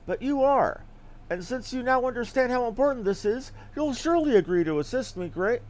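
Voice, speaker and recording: Guy doing a flustered bossy little lady from a game, high voice that bounces around a lot. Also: lively intonation, brisk, darkish tone. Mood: coaxing, pushy. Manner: fussy, gushing, exclaiming. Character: small, flustered, chatty, bossy young lady. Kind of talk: reading game dialogue aloud.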